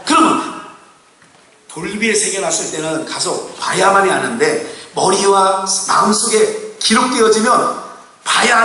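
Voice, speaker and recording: A man preaching a sermon as pastor, talking in a loose, colloquial way and putting one rhetorical question after another to his congregation. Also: high voice. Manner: colloquial and animated, with laughs and bursts of shouting. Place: church sanctuary. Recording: echoey hall, mic far from speaker.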